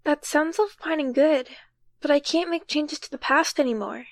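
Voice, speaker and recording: In an audio drama, a woman plays an earnest, cautious young time traveler who takes charge and explains things carefully, in a thoughtful, explanatory mood. Her voice is high, at a moderate pace, with no room sound.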